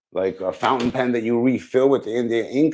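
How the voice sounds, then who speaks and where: Pitched in the medium range, this man talks with an American accent. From Toronto, Canada. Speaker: artist live streamer. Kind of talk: casual chat while working on art. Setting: live stream. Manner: casual, relaxed.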